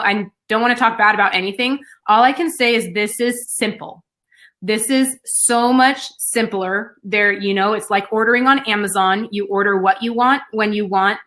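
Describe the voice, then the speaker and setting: A woman's voice: mid-range voice, steady tone, normal speed, pushed and bright. A woman hosting a live video chat, enthusiastic and encouraging, often repeating herself. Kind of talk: upbeat network marketing chat.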